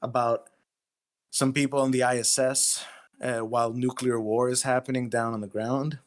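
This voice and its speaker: A man's voice: mid-range voice, flat delivery, moderate pace. Man chatting casually as an interview guest. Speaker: guest author. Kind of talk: casual interview chat about writing.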